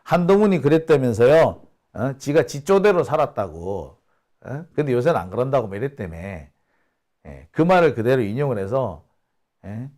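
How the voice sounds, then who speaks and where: A man's voice: medium pitch, normal speed. A middle-aged man from Busan hosting casual political commentary, telling stories and affirming himself with short "ye" interjections. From Busan, South Korea. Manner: animated, storytelling, frequent "ye" affirmations. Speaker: YouTube channel host.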